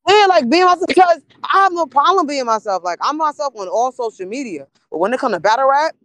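A woman's voice: high voice, animated, fast, fairly bright tone, no room sound. Emphatic woman rapper, dry close mic. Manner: emphatic, repeats phrases to drive a point. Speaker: podcast guest, battle rapper. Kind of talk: casual podcast chat.

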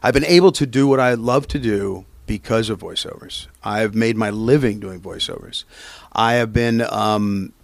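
A middle-aged man with a slight rasp from a cold, telling rambling career stories with lots of fillers in a casual interview. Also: on the low side, dry recording. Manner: rambling, halting storytelling with many fillers. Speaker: actor and voiceover artist. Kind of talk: casual podcast interview chat.

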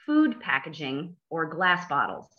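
A woman's voice: sits low, big pitch swings, a little slow, dull audio. A woman attorney hosting a casual podcast, quizzing her co-host with dry, blunt teasing.

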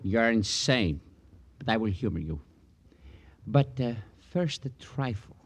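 An actor playing a suave, guarded jeweler in a 1950s radio drama, formal and pompous. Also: male voice, on the low side, expressive, breathy edge, full character voice. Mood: haughty, guarded. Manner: formal, pompous, measured phrasing. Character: suave, haughty, guarded foreign male jeweler. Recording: dull vintage radio recording.

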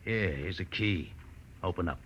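A man's voice: deep voice, a little slow, a bit bright, breathy edge, muffled recording, heavily acted. An actor playing a rugged, insistent gunman on the run, blunt and urgent, in a 1940s radio crime drama. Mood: commanding. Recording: noisy, crackly vintage radio recording.

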